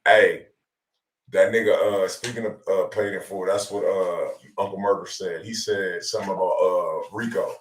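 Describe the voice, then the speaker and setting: A man's voice: low-pitched, fairly even intonation, normal speed, far from the mic, a little hiss or hum. A man co-hosting a casual talk show, telling stories in slangy, profane, repetitive speech, recorded in a roomy space away from the mic. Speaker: radio show co-host. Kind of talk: casual chat.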